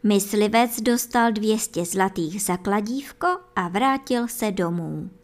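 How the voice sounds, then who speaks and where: A woman reading a folk fairy tale aloud for children and adults, telling it in a lively, expressive way. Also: mid-range voice. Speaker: storyteller.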